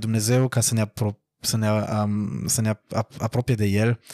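Recorded dry and close with no echo against a silent background, a man talks at a moderate pace and medium pitch in a dark, mellow tone. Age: 20s. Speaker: Paralympic swimmer and TV moderator. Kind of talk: faith testimony interview.

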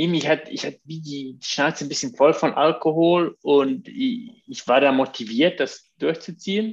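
Against a quiet background, a man with a slight Swiss accent talks at a moderate pace and fairly high pitch, with lively intonation, big swings in loudness and hardly any pauses. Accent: barely noticeable Swiss. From Switzerland. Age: 40s. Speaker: self-employed copywriter, guest on sobriety podcast. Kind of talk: interview.

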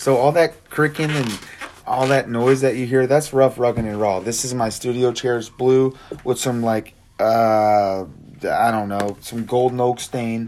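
A man at a fairly slow pace with fairly even intonation, over noticeable background noise. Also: medium pitch for a man. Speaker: podcast host. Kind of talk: casual chat. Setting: home studio. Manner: rambling, halting.

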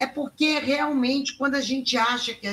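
A woman is speaking. Her tone is bright and sharp. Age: 60s. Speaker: mental health activist. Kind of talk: interview. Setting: video call. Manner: halting.

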